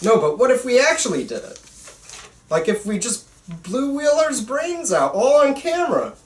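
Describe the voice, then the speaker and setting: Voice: mid-range voice, very animated, moderate pace, a little hiss or hum, natural voice. Someone acting a bitter, intense teen boy, roomy sound. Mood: darkly excited. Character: bitter, intense teenage boy filmmaker plotting revenge. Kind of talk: amateur screenplay table read. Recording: roomy, distant mic.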